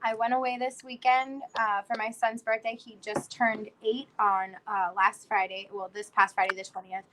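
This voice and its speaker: Casting: twenty-something woman, livestream host, slightly high voice, lost voice, rambling and chatty, faint hiss behind. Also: flat delivery, moderate pace, few pauses. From South Florida. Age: 20s. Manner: chatty, rambling with many fillers. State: lost her voice. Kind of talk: casual livestream chat.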